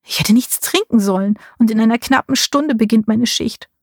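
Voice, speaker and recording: Woman doing a weary, soft-spoken nurse. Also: a little high, normal speed, no room sound, clean studio sound, pitched above the performer's own voice. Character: tired young woman, a calm nurse.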